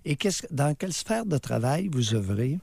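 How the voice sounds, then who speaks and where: Blunt older Quebec radio host, dry studio. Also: male voice, mid-range voice, big pitch swings, normal speed, gravelly, darkish tone, husky, no echo. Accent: Quebec French. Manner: blunt, curt questions and short acknowledgements. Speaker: co-host, advice-giving talk show doctor. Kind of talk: radio talk show.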